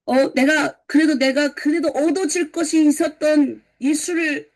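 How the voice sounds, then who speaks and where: A woman pastor from North Korea preaches in a high voice with a North Korean accent. She is middle-aged and keeps the talk lively, putting questions to her listeners and answering them herself. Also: measured pace. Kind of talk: early-morning sermon lecture.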